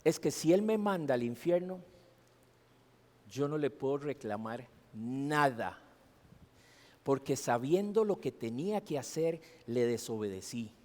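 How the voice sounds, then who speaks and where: A man's voice: mid-range voice, sing-song, unhurried, darkish tone. A man preaching a sermon in a church, asking the congregation emphatic rhetorical questions. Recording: long hall reverb.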